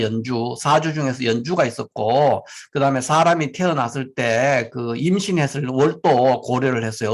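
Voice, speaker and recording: A man teaching in an informal, explanatory lecture style, restating key terms for emphasis as he goes. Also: medium pitch. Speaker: fortune-telling teacher.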